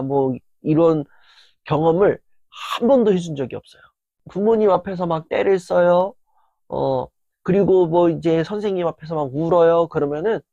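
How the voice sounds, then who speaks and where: A man's voice: a little high, mellow, no echo, dull audio. A man hosting a counseling lecture, explaining feelings in a loose, conversational way with many fillers. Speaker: psychology lecturer, channel host.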